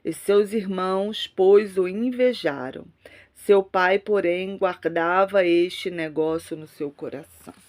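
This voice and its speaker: A woman's voice: fairly low pitch, slow pace, darkish tone. A woman pastor with a Brazilian accent and a cold, speaking in an emphatic, devotional preaching style with repeated exhortations. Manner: emphatic, repetitive religious exhortation. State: has a cold and allergy. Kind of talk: fervent prayer, preaching and scripture reading.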